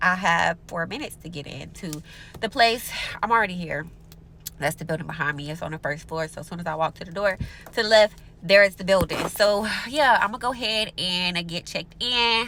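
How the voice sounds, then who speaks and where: This is an ordinary speaking voice with lively intonation. Its loudness swings a great deal. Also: woman, medium pitch for a woman, fairly quick pace. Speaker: vlogger. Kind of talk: casual vlog.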